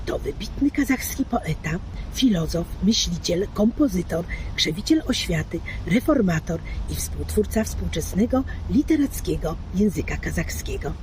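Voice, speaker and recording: Female reader, formal and declamatory with lively intonation, clear background noise like traffic. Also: lowish voice, normal speed. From Poland. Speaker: reader, fan club member. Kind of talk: formal reading of a literary text.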